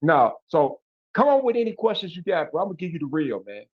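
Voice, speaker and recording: A man's voice: on the high side, very animated, fast, breathy edge, no echo, muffled recording. A man from Chicago with a Chicago accent, a guest in an interview who talks bluntly and emphatically in street slang. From Chicago, USA. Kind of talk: casual interview talk.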